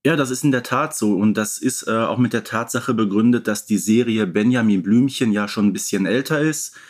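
A man's voice: fairly low pitch, brisk. A man talking casually as the host of a fan podcast.

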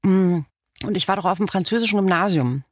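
Guest actress, woman, Romanian-born, mid-pitched, dry close sound. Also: fairly quick, no room sound. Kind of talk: casual chat.

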